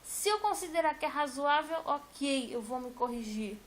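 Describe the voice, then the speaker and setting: A woman's voice: sits high, expressive, normal speed, a little hiss or hum. A woman, a teacher, talking casually and emphatically to her viewers and repeating her points. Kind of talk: casual talk to camera.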